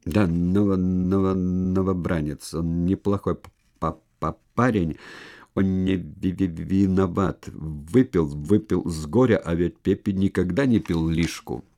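A man's voice: sits low, mellow. A man voicing a tall stuttering man past middle age who stumbles over his words, in an audiobook. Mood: stammering. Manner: heavy stutter, slow halting speech.

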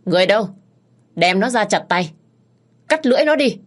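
A woman's voice: fairly low pitch, animated, normal speed, close to an everyday voice. Woman playing a harsh commanding young master. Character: stern young master of a wealthy household.

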